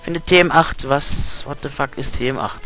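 Sarcastic young gamer with game music. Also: male voice, mid-range voice, normal speed, sharp tone. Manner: sarcastic, mocking asides to game characters. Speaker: let's player. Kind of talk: casual let's play commentary, reading game text aloud.

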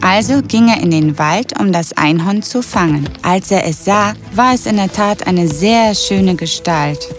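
A woman's voice: mid-range voice, expressive, unhurried, few pauses. A woman storyteller reading a scripted children's fairy tale. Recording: clear music behind the voice.

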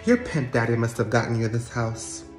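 A smug store manager, as a comedian puts her on, speaking low and unhurried with cutting sarcasm. The voice sits in a roomy space with a thin bed of music behind it. She sounds completely unbothered. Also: natural voice.

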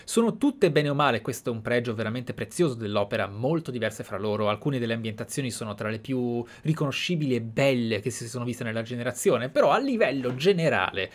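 A man's voice: medium pitch, animated, fast, hardly any pauses. A man with an Italian accent commentating on a video game, with theatrical delivery and reflective asides. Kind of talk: game commentary with read-aloud in-game letters.

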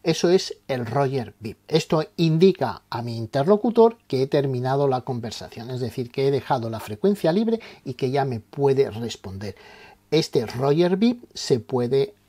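A man's voice: medium pitch, animated, moderate pace, dark tone. A man from presenting a step-by-step tutorial in a didactic way, posing questions and answering them. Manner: didactic, explains terms and poses questions then answers them. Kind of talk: step-by-step instructional narration.

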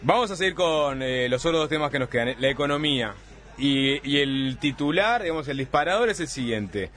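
A man hosting a radio debate, briskly introducing guests and topics. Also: mid-range voice, expressive, a bit bright. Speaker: host.

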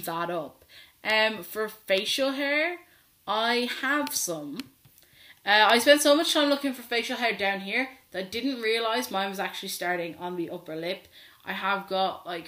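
In a cramped bedroom that echoes, a sixteen-year-old trans vlogger chats openly to his laptop camera, filling his casual update with plenty of fillers. He has a high, sharp-toned voice.

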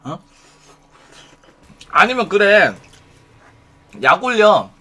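A man's voice: high-pitched, sing-song, extremely slow, bright, forceful tone. A man giving blunt, profane advice on a live stream, acting out the comebacks he suggests.

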